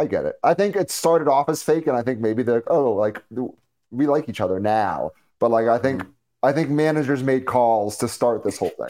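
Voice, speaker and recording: At a moderate pace, the voice carries a dark, mellow tone in a very clean recording with a silent background. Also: man, medium pitch for a man, ordinary pitch variation. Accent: American. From Washington DC. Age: 30s. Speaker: sports journalist. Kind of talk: casual chat.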